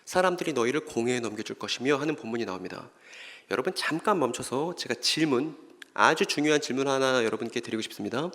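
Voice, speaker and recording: Lively male Bible lecturer in a church hall. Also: mid-range voice, quick pace. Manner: asks the audience questions and answers them himself; acts out short scripture dialogues in voices. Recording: long reverb of a church hall.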